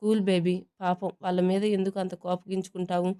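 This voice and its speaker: A woman voicing a calm, caring elder brother who speaks gently and reassures. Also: on the low side, brisk, smooth, lightly acted. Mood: gentle.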